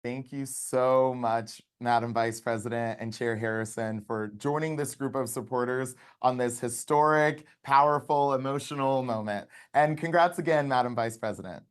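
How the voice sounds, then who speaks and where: A man moderating a group call, giving formal thanks in a deliberate way. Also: medium pitch, smooth.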